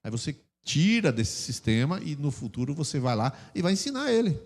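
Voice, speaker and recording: Animated older Brazilian pastor in a big reverberant hall. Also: male voice, on the high side, a little fast. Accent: Brazilian Portuguese. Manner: animated, acts out quarrels with sudden shouts and mock voices. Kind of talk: sermon. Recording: long church reverb.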